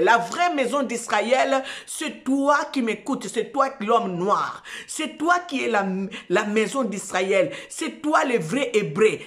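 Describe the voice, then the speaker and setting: A woman hosts her own show, speaking in a slow and emphatic way. She repeats herself and restarts phrases as she preaches. Her voice sits a little high. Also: a bit bright. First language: Lingala. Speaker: host of an online show. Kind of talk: preaching talk show monologue.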